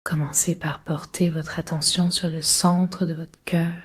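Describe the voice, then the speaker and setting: A woman leading a guided relaxation meditation in a breathy, husky, often near-whispered voice, giving slow, soothing, measured instructions. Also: low voice, level tone. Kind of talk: guided Yoga Nidra meditation.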